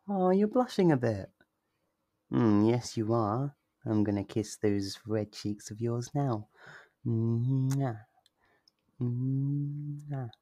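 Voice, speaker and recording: Male actor as possessive yandere sweetheart, ASMR roleplay, tender, reassuring, slow delivery, medium pitch. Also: dark tone, no echo. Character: sweet, doting, possessive yandere lover, soothing and obsessive. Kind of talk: intimate roleplay ASMR acting.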